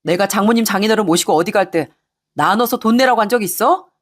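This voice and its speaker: A young husband at the end of his patience, as a woman plays him, firing demanding questions at a middle pitch in a told story. His voice jumps up when he presses. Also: quick pace, lightly acted. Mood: angry. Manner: demanding, exasperated.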